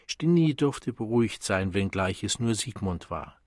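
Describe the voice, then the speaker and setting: Low, husky male audiobook narrator. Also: expressive, measured pace, a little mellow, dry recording, clean studio sound.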